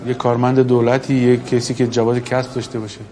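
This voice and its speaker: A man's voice: mid-range voice, flat delivery, crowd noise, natural voice. An actor playing a stern, impatient male court investigator giving curt orders in a film drama. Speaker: judge. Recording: film audio with noise.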